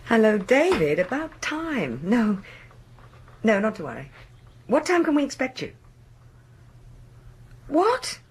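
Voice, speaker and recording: A woman's voice: fairly high pitch, big pitch swings, slow, long pauses, slightly rough, exaggerated voice. An actress playing a genteel, lonely and insistent lady of the house in a radio horror play, with a hesitant, theatrical manner. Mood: anxious, disappointed.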